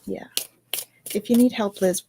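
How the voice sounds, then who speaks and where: A woman's voice: medium pitch, fairly even intonation, measured pace, noisy background. A woman, a spiritual medium reading cards, talks in a casual podcast chat, reassuring and checking in with "okay?". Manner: chatty, reassuring, lots of "okay?". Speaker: spiritual medium and card reader.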